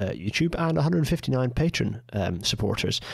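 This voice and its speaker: A man speaks quietly in a strained, put-on character voice. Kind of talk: radio voice. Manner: quiet, low, restrained.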